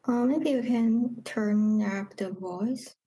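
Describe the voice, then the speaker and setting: A woman's voice: a little high, slow, mellow, poor audio. A woman moderating an online academic meeting. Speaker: session moderator.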